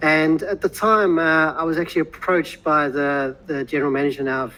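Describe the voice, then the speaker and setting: A man with a slight English accent speaks at a fairly quick pace. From England, moved to South Africa in 1994. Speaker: learning and development manager. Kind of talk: webinar presentation.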